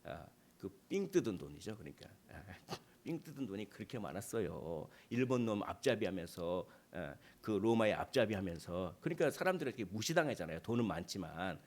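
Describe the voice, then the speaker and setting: A man's voice: fairly low pitch, sing-song, fairly quick, darkish tone. A male pastor preaching a sermon in a conversational way, asking rhetorical questions and acting out short dialogues.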